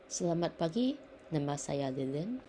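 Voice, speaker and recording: Low, soft-toned woman, 29, careful delivery of a self-introduction, faint background noise. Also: big pitch swings, unhurried. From Singapore. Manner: non-native speaker's careful Indonesian. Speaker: language student.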